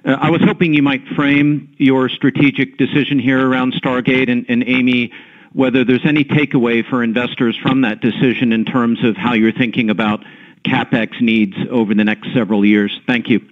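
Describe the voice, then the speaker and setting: A man's voice: medium pitch, little pitch movement, normal speed. A man asking a question as a financial analyst on an earnings call, in polite, tentative phrasing. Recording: tinny phone line.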